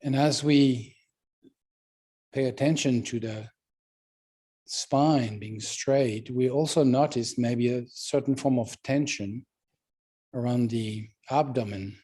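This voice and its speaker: A meditation teacher, a man with a medium-pitched, slightly rough voice, leads a guided meditation. He speaks calmly and gently, leaving unhurried pauses.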